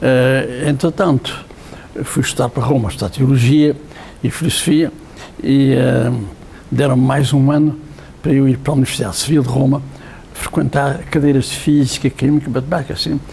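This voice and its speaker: Against noticeable background noise, a man with a fairly high pitch speaks at a moderate pace, keeping very even loudness and fairly even intonation, with long, frequent pauses. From Azores, Flores island. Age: 80s+. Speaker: retired priest and teacher. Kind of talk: interview testimony. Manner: halting, with many repetitions and fillers.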